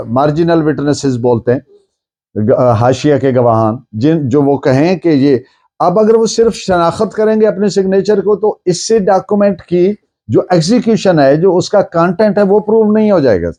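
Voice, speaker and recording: A Pakistani-accented man gives a law lecture meant to explain, repeating and recasting key points on purpose. His voice is mellow and on the high side.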